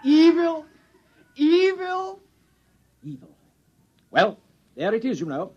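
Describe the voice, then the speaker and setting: An actor playing a polite, pompous alien tribal elder with stuffy gentlemanly phrasing in a 1950s radio comedy. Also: male voice, extremely high pitch, wildly swooping pitch, takes it slowly, full character voice. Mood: outraged, resigned. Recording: dull vintage radio recording.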